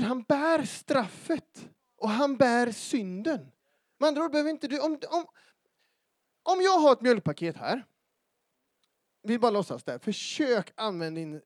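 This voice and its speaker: A man preaching a lively sermon in a church, with emphatic repetition and joking asides while he moves about the stage. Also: high voice, dry recording. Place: church hall.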